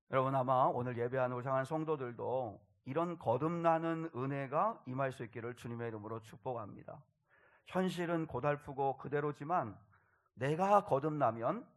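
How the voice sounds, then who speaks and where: A male pastor delivering a sermon in a mid-pitched voice. He tells the story earnestly, letting his voice sink low and quiet and then rise with more force. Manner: earnest storytelling, soft drops and swells in loudness.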